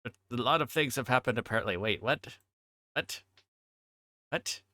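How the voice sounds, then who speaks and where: A man livestreaming in casual chat, with a halting, repetitive and scattered way of talking. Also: mid-range voice, pushed and bright, no echo, clean studio sound.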